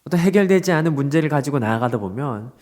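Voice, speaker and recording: A male pastor preaching a dawn prayer sermon, expressive and asking the congregation rhetorical questions. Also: fairly high pitch, fast.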